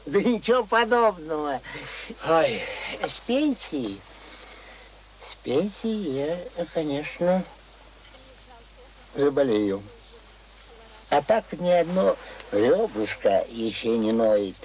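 An actor playing a cheerful, talkative, stubborn old village pensioner in a radio play, with rustic speech full of fond diminutives. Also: male voice, a little high, sing-song, slow pace, long pauses, darkish tone, slight background noise, rough recording. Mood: reassuring, musing. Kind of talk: radio drama acting.

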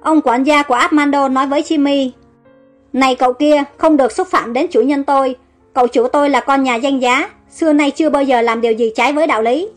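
High-voiced woman reading a story. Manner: reads all characters in one even voice. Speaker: audiobook narrator. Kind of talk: scripted story narration. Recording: faint background music.

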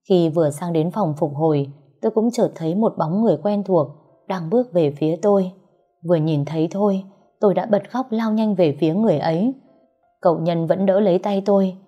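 A woman narrating an emotional first-person love story in a soft, heartfelt way. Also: lowish voice. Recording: slightly muffled, soft background music.

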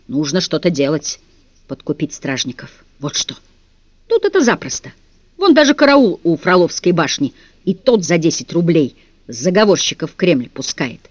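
A man's voice: fairly high pitch, very animated, moderate pace, no room sound. A man reading an insistent boy prisoner. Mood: urgent. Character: sixth-grade boy prince, bold, pleading prisoner. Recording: dull, dry studio recording.

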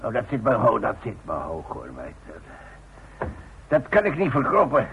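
An actor playing a proud, stubborn retired workman and father in a radio play, speaking haltingly on an old recording. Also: mid-range voice, huge pitch swings, gravelly, phone-quality sound, a little hiss or hum, exaggerated voice. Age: older. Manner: hesitant, halting, repeats words. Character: proud, stubborn retired chimney climber, gruff but tender father. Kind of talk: naturalistic Dutch radio play acting.

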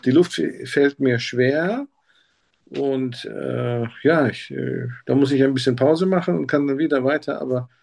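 A man's voice: medium pitch, a little slow, gravelly, darkish tone. A man playing a patient in a practice doctor interview, talking in a hesitant way and searching for his words. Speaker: simulated patient. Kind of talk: role-played doctor-patient practice talk.

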